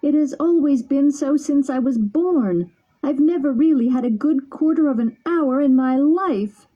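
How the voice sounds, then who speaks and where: A woman voicing an impulsive, rude wooden puppet boy who pleads in a high, tearful voice. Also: measured pace, dull audio. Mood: weeping.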